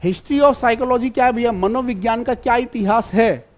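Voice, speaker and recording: A man's voice: very high-pitched, normal speed. A man teaching a live online exam-prep class, fatherly and repetitive, always checking whether his students follow. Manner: fatherly, keeps calling students "beta" and checking if they follow.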